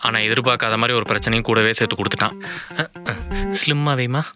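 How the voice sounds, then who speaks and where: A man's voice: mid-range voice, quick pace, natural voice. An actor playing an exasperated young husband who talks to the camera and scolds his forgetful wife. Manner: exasperated, rising to angry shouts. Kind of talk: comedy web series acting. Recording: music bed under dialogue.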